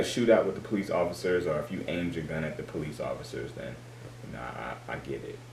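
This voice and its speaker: A man talks at a very fast pace in a very deep, low voice. Audible room echo surrounds him. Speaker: YouTuber giving commentary. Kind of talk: casual monologue vlog. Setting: at home, late at night.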